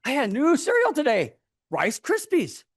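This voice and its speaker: A man plays an excitable little schoolboy in a tall tale told on stage. The voice is pitched well up and exclaims with wide-eyed puzzlement and pride, swinging freely in pitch. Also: unhurried, exaggerated voice. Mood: proud.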